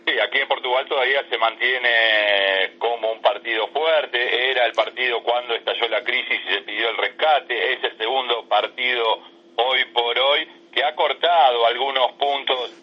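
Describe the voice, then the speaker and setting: A man working as a radio interviewer, putting spontaneous political commentary and questions to a guest in a husky voice. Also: medium pitch, fairly even intonation, moderate pace, dull audio.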